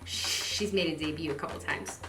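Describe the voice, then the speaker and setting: A woman's voice: sits low, fairly even intonation, normal speed, roomy sound, over music. A woman from the southern United States chatting casually to camera as a skincare reviewer, in a bubbly, playful manner. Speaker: skincare vlogger and product reviewer.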